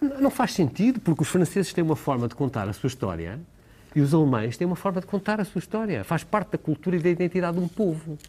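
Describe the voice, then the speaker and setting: Talking at a very fast pace, a man with a high pitch and a dark, mellow tone makes very wide pitch swings. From Portugal. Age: 60s. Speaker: historian and novelist. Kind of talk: TV interview.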